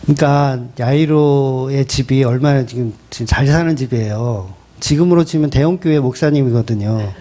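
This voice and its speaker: A man's voice: a little high, warm tone. A middle-aged male pastor preaching a sermon in a conversational style, asking rhetorical questions. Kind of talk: expository sermon.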